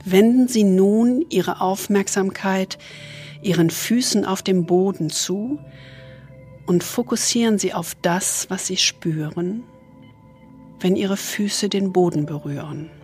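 Slow, soothing woman guiding meditation over music. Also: medium pitch, darkish tone. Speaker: host guiding a relaxation exercise. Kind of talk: guided body-scan meditation, soothing spa-like delivery.

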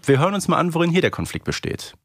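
A man's voice: fairly high pitch, very animated, rapid-fire, fairly bright tone. A man co-hosting a podcast, casually talking through and analysing audio dramas. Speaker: podcast co-host.

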